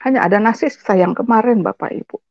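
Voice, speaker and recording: Woman, emotional testimony, higher voice, dull dry lo-fi sound. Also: quick pace, dry recording. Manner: addresses the audience directly, sprinkles in English words. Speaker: testimony speaker.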